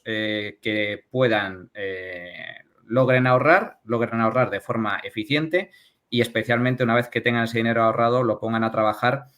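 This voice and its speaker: A man from Spain describing a course in a steady, casual panel talk, pausing often on fillers. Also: mid-range voice. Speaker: course instructor.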